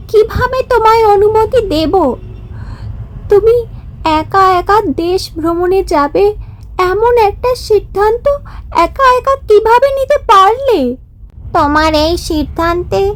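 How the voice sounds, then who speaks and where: A woman's voice: very high voice, pitched above the performer's own voice, full character voice. A woman voicing an anxious, doting queen mother in a cartoon fairy tale, dramatic and emphatic. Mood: worried, reluctant.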